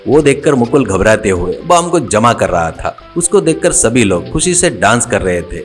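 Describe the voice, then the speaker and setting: A man narrating a cartoon story in a plain, steady storytelling manner. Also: mid-range voice, moderate pace, faint music behind.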